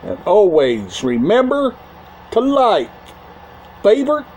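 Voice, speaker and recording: A man hosting a casual video, talking in short, halting phrases and often repeating himself. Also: sits high, huge pitch swings, darkish tone, slight background noise. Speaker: YouTube channel host. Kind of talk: casual talk to camera about a media collection.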